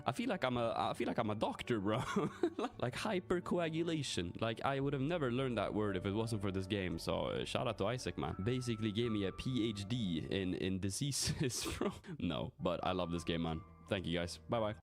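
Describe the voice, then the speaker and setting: A man's voice: on the low side, normal speed. A man in his twenties with a Swedish accent, speaking English as his second language, earnestly talking about his favorite game and tacking "man" and "bro" onto his sentences. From Sweden. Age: 20s. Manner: earnest, relaxed, ends phrases with "man" and "bro". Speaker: guest fan giving a clip.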